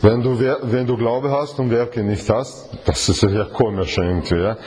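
A man's voice: mid-range voice, steady tone, a little mellow. A man gives an informal sermon to a Bible study group, often restarting and asking rhetorical questions. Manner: halting, many restarts and fillers, asks rhetorical questions. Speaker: preacher leading a Bible study.

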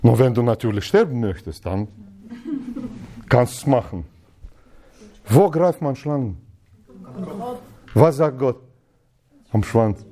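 Animated man teaching the Bible. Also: mid-range voice, takes it slowly, long pauses. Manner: animated, playfully acts out dialogues with frequent laughs; slightly broken German grammar. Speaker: Bible teacher in a church congregation. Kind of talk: lively Bible teaching to a group.

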